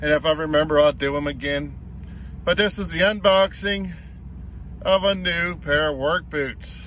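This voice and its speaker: A man speaks at a moderate pace with fairly even intonation. The sound is dry with no echo, and light background noise is present. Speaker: truck driver vlogger. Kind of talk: casual vlog chat. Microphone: phone near.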